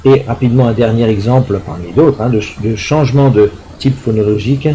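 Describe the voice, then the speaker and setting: A man's voice: medium pitch, brisk, warm tone, slight background noise, low-quality recording. A middle-aged man, a university lecturer, explaining a recorded lecture with frequent fillers, restarts and tag questions to check understanding. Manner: hesitant, many fillers and restarts.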